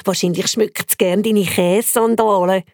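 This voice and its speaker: A woman with a Swiss German accent voicing a young girl, Sophia, in a bright, pleading way. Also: mid-range voice, steady tone, a little slow, vocal fry, dry recording, clean studio sound. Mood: eager. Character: young girl glued to her phone.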